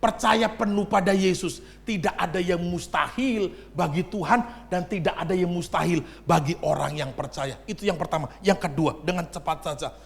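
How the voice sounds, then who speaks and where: A man preaches. His voice sits very high for a man. He leads the congregation through verses and acts out the cries of the people in the story. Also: moderate pace, creaky, few pauses. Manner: calls on the congregation to read along and answer. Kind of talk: sermon.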